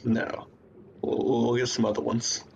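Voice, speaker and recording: A man's voice: mid-range voice, little pitch movement, measured pace, gravelly, darkish tone, slight background noise. A man chatting playfully in a tabletop game stream. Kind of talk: casual chat.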